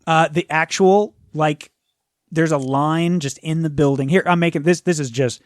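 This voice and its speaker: A man's voice: on the high side, normal speed, no echo, studio quality. A man improvising casual tabletop game narration as game master, informal and given to swearing.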